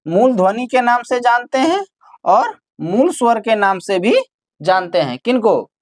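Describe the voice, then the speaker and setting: A woman's voice: a little high, big pitch swings, a little slow, a little mellow, dry recording. A woman teaching a grammar lesson, asking her students questions and then answering them herself while repeating the key terms.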